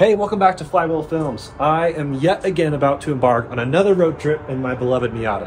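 Background music and a man's fairly quick delivery. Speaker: car vlogger. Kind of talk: casual vlog chat. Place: garage. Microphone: phone near.

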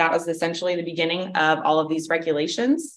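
A woman with an ordinary speaking voice, fairly low-pitched, at a fairly quick pace. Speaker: air quality regulator. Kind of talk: training lecture.

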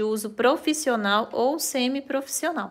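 Soft-spoken, a woman talks with a Minas Gerais accent. She goes at a fairly slow pace with ordinary pitch variation. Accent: Brazilian Portuguese, mineiro. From Minas Gerais, Brazil (Belo Horizonte); Minas Gerais, Brazil. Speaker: sewing teacher, channel host. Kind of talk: live-stream tutorial. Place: home room.

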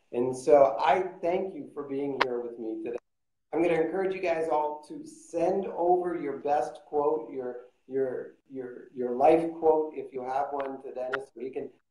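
A man with an American accent talks at a fairly slow pace in a dark, mellow tone, his pitch fairly high and his intonation fairly even. Light background noise and audible room echo are present. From Minnesota. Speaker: life coach and livestream host; life coach, livestream host. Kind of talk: live stream interview chat. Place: home room. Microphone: phone near.

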